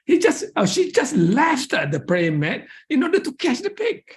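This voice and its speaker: A man's voice: very high voice, wildly swooping pitch, normal speed. A man with a Malaysian accent giving an academic lecture, emphatic and repeating key phrases. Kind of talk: academic lecture and question answering.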